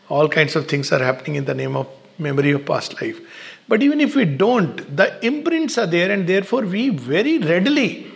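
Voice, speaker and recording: A man giving an unhurried spiritual talk in short, pausing phrases. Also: high-pitched, creaky. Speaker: spiritual speaker.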